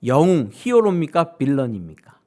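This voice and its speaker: A male pastor preaching a sermon. He keeps putting questions to his congregation and acts out what other people say. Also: a little fast. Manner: animated, asks the congregation questions directly; acts out quoted voices with sudden high-pitched outbursts.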